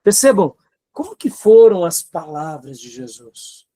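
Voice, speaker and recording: Brazilian male seminary teacher, high-pitched, exhorting and earnest, lecture delivery. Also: sing-song, a little slow, crowd noise. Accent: Brazilian Portuguese. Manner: earnest, exhorting, asks rhetorical questions, frequent tag questions.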